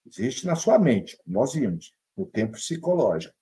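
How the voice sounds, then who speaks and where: A middle-aged Brazilian man gives a motivational talk as a psychologist. His voice is husky and mellow, pitched a little high for a man, and it swings widely as he acts out the fretful voices of the people he describes. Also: moderate pace. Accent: Brazilian Portuguese. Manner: animated, leaps between high and low pitch, acts out quoted thoughts.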